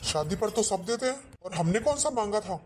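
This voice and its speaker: A woman voicing a polite young son-in-law who speaks calmly in an animated cartoon. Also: mid-range voice, a little fast, a little hiss or hum, natural voice. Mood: reassuring. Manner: calm, reassuring.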